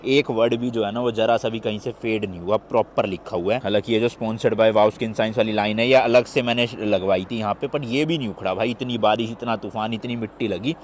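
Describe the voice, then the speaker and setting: A man from India chatting casually to his vlog audience, calling them brother as he talks. His voice sits a little low. He speaks outdoors beside a highway, and faint traffic noise is heard behind him. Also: fairly quick, hardly any pauses. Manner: chatty, addresses viewers as brother. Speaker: travel vlogger.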